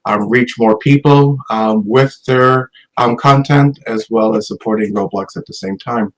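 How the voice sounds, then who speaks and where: A middle-aged man from Massachusetts, an educator presenting a talk with slides, hesitant and filling pauses with many ums. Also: fairly low pitch, poor audio.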